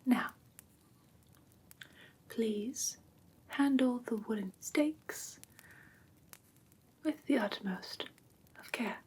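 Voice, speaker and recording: A woman playing a gentle, prim vampire teacher in whispered ASMR roleplay, breathy and careful, close to the microphone. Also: fairly high pitch, drawn-out words, long pauses, exaggerated voice. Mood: gentle, instructive. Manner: soft, careful, instructive, politely formal. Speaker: ASMR performer.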